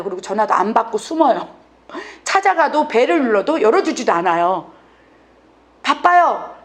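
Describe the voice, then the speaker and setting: A woman missionary pastor preaching a fervent, dramatic sermon, sometimes dropping her voice suddenly soft. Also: medium pitch.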